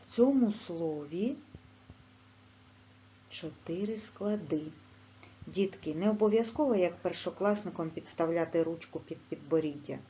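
A woman with a Ukrainian accent teaching a video lesson to schoolchildren, dictating slowly and clearly. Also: on the low side, animated, mellow. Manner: slow, clear, instructive dictation. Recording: slightly dull, faint background noise.

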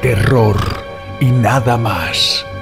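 A man reading scripted audio drama credits as announcer, solemn and deliberate. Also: mid-range voice, gravelly. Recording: voice under very loud music.

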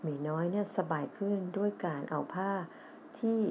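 A woman's voice: medium pitch, a little hiss or hum. A middle-aged woman with a Thai accent teaching English on television. She reads a children's story line by line, spells out the words letter by letter, and explains them in Thai. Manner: reads English lines slowly and loudly, then explains quickly in Thai. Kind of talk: TV English lesson, reading a children's story aloud.

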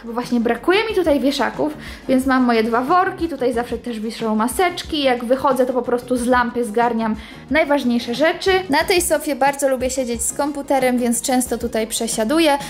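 A vlogger in her twenties, her voice sitting high, gives a casual tour of her small apartment, chatting as she walks and points things out. The handheld camera is held at arm's length.

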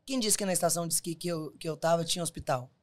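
A Brazilian woman casually telling an anecdote in an animated way, repeating words and acting out quoted dialogue. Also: lowish voice, very fast. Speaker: endurance athlete.

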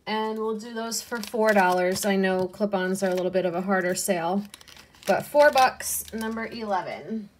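A young adult woman casually going through a bin of flea market jewelry, pricing each piece and muttering soft asides to herself. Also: medium pitch, a little hiss or hum. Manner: unhurried, softly muttering asides, cooing over pieces. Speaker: resale seller pricing jewelry. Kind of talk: casual hands-on haul video.

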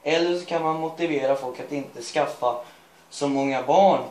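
A man's voice: on the high side, darkish tone. A chatty man with a slightly raised voice rambles through a story he wrote himself. He keeps breaking off to poke fun at his own lines. The room around him rings with echo. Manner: chatty, self-mocking asides, laughs at his own writing. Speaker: vlogger reading his own school story. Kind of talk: rambling storytime, reading aloud. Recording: echoey room.

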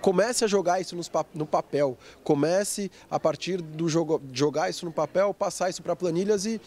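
A man's voice: high-pitched, moderate pace, darkish tone. Advisory man giving business advice. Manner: advisory, repeats points. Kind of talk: interview answer.

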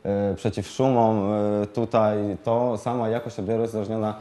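A man's voice: on the low side, little pitch movement, warm tone. A man giving an unscripted product explanation as a shop expert, hesitating often and repeating words, picked up on a lapel mic. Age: 20s. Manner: halting, hesitant delivery with frequent fillers and repeated words.

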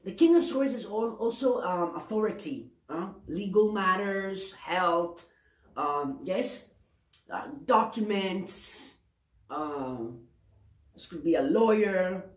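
Greek-accented woman, lively roomy tarot chat. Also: mid-range voice, slow. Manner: chatty, self-correcting, asks the viewer "yes?". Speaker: tarot reader. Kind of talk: tarot reading to camera. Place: indoor room at a table.

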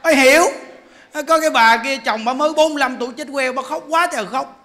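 A man's voice: very high-pitched, fast talker, bright, forceful tone. A man in his forties with a Southern Vietnamese accent, giving a dharma talk in a joking, laughing way full of rhetorical questions. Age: 40s. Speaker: Buddhist monk preacher.

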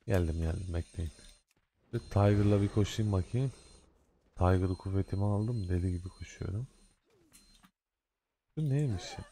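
Deep, steady, and mellow, the voice of this adult gaming video host moves at a moderate pace over slight background noise. He holds a day job and, in casual let's-play commentary, chats loosely with slang while scolding the game in mock annoyance.

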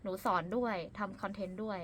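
A young woman talks fast and brightly as a guest in a casual interview, often breaking into giggles. Her voice sits at an ordinary pitch, with a faint hiss of background noise behind her. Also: steady tone. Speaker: guest, voice actress and YouTuber.

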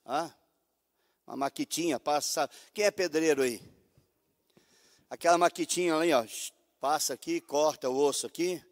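A man giving a fervent testimony as a pastor in a Pentecostal church service, moving from hushed storytelling to loud exclamations of praise. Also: fairly high pitch, normal speed, long pauses, no echo, studio quality, big-room sound.

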